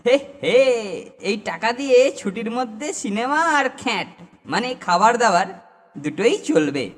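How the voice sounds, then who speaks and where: A man's voice: high voice, very animated, normal speed. A man voicing a boastful, greedy older schoolboy bully in a children's cartoon, teasing and theatrical. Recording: long reverb, music behind.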